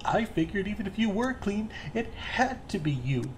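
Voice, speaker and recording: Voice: medium pitch, very animated, moderate pace, lightly acted. An actor in an audio drama playing a chatty, self-righteous serial killer who believes angels guide the work, with a breezy, casual manner. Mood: casual, probing. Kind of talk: full-cast audio drama acting. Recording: faint background noise and ambience.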